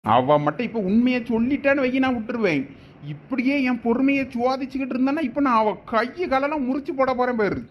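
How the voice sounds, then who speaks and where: Furious village cartoon dad, Thoothukudi Tamil accent, highish voice, dull lo-fi sound. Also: lively intonation, fast, a little hiss or hum. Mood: angry. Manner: threatening, stern commands. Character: stern angry village father. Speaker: father. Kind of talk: cartoon voice acting.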